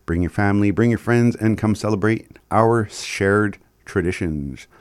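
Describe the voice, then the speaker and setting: A man's voice: fairly low pitch, unhurried, clean tone, no echo. A man with an Indigenous Canadian reservation accent reading community announcements in an informal way, with the odd stumble.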